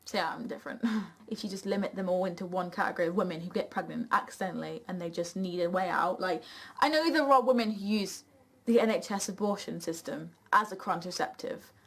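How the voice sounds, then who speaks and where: A woman's voice: fairly low pitch, fairly quick, a bit bright. A young woman chatting casually and candidly as co-host of a Q and A vlog. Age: young adult.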